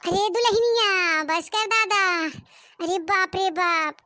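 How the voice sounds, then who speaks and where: A woman voicing a sharp-tongued old village mother-in-law in a comic cartoon, speaking with an Awadhi accent and scolding in loud exclamations. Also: extremely high pitch, slow, no echo, heavily acted. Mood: disgusted.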